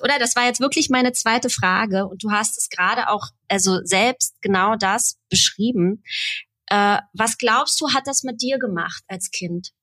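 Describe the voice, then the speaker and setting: A woman's voice: mid-range voice, a bit bright. A woman hosting a podcast, reading a prepared introduction and then asking interview questions. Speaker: podcast host.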